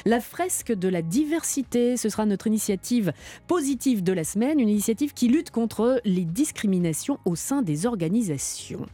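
Mellow woman hosting radio. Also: medium pitch, expressive, moderate pace. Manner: upbeat, teasing, laughs often. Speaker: radio show host.

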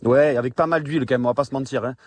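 A man's voice: mid-range voice, fairly even intonation, racing. A man with a Toulouse accent, a chef on a radio show, walking through a recipe with enthusiasm. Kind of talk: radio cooking segment chat.

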